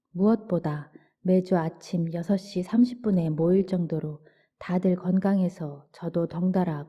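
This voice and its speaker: Soft-spoken woman reading a bedtime book. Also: lowish voice, breathy edge. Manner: soft, slow and gentle, sometimes near a whisper. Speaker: audiobook narrator. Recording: dull lo-fi audio.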